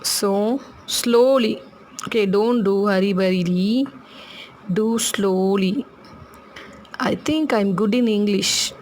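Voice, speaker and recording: A woman's voice: medium pitch, slow, long pauses, a little mellow, a little hiss or hum. A woman with a Tamil accent, a native Tamil speaker, giving a casual hands-on jewelry tutorial, chatty and laughing often as she repeats her instructions. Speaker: craft tutorial host.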